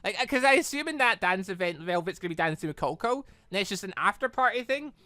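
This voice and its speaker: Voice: mid-range voice, expressive, fast talker, sharp tone, no echo. A chatty gaming video creator rambling casually through a visual novel let's play, often getting side-tracked.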